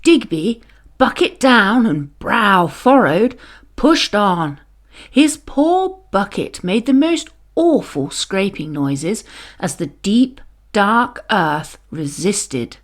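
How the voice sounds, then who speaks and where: Slow, animated woman storyteller. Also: medium pitch. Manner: expressive, deliberate read-aloud. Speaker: children's story narrator. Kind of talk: scripted storybook narration.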